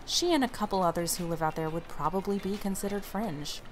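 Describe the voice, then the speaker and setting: A woman's voice: mid-range voice, brisk, music in the background, lightly acted. A woman playing a wary, suspicious, blunt friend in an audio drama, talking casually and sardonically. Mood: explaining.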